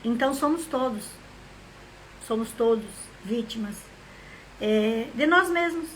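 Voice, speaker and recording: A literary academy member from Rio Grande do Sul in southern Brazil chats on a live stream, animated yet a little slow, her voice pitched high in her range. Saying hello to viewers by name as their comments come in, she meanders through reflective talk. The audio is poor, with a faint hum underneath.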